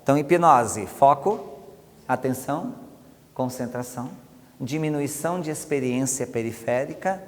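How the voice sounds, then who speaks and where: A man with a Brazilian Portuguese accent teaching a hypnosis technique step by step and acting out slow, soothing commands. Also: on the high side. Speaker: hypnosis instructor. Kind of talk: teaching a technique with spoken demonstrations. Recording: long hall reverb.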